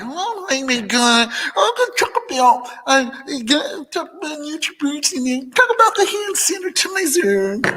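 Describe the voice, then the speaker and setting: A high, put-on character voice moves at a fairly slow pace with very wide pitch swings. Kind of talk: live streamer talk. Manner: fake, put-on, ingratiating.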